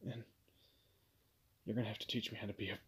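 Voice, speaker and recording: A man playing a weary, wry kidnapped guy in a roleplay audio drama, speaking haltingly and conversationally. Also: on the low side, level tone, fairly bright tone, slightly rough, no room sound. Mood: wry, resigned. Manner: hesitant, halting, sardonic.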